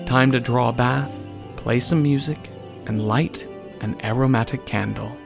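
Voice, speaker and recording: A man reading scripted podcast credits and sign-off as an announcer, with a deadpan delivery. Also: mid-range voice, a little slow, creaky. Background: guitar music.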